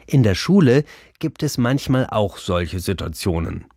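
A man with a fairly low voice narrates a children's program in a dry, close-sounding recording. He explains things in simple, friendly terms for young listeners. His delivery is clearly scripted. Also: sing-song, measured pace, darkish tone, dry recording.

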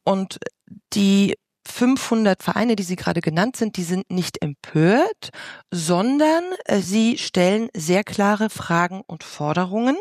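A woman's voice: mid-range voice, expressive, measured pace, a little mellow, no room sound, studio quality. A woman representing a media association, firmly rebutting the framing in a panel debate. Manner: firm, rebutting, emphatic.

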